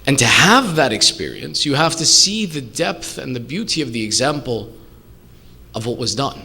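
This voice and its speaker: A man's voice: medium pitch, lively intonation, normal speed, vocal fry, bright, forceful tone, husky. A man preaching a religious sermon in English, earnest and emphatic, posing rhetorical questions and repeating key phrases. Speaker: preacher, sheikh.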